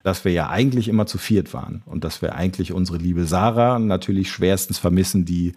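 A man's voice: low voice, brisk, darkish tone, breathy edge. A man hosting a podcast in casual chat, rambling with many fillers. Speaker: podcast host.

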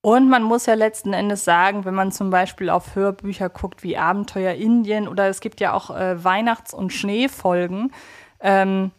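Female podcast co-host, medium pitch, conversational, reflective, qualifies what she says. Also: steady tone, normal speed.

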